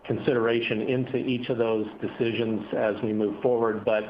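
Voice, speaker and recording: A man speaking as a company executive, answering analysts on an earnings call in measured corporate phrasing with hesitant pauses. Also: medium pitch, little pitch movement. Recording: dull, noisy conference call audio.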